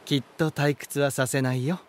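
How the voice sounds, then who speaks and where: A man's voice: mid-range voice, fairly even intonation, lightly acted. An actor voicing a genial, elegant male lighthouse spirit in a voice drama, telling stories in a theatrical manner. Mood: playful, inviting. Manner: smooth-mannered, theatrical, unhurried storytelling. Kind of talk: Japanese voice drama acting.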